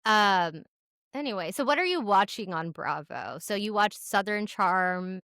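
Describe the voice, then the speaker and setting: Female podcast co-host, gossipy and candid, bright medium-pitched voice, close dry sound. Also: lively intonation, a little slow, no echo. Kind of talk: casual chat.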